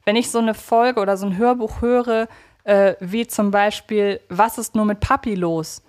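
Female podcast co-host, medium pitch, conversational, reflective, qualifies what she says. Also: fairly even intonation, normal speed, darkish tone.

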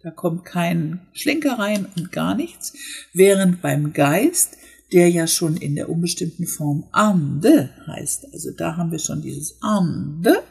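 A woman hosting a podcast language lesson, explaining pronunciation step by step and modelling words slowly. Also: on the low side, vocal fry, dark tone, husky. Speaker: Swedish teacher and podcast host.

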